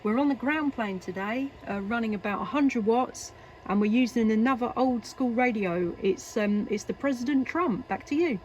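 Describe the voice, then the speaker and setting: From her home workshop, an English CB radio operator and video maker chats casually and a little hesitantly. Her fairly high voice has a darkish tone at a moderate pace, and the muffled recording is noisy with radio static and hiss.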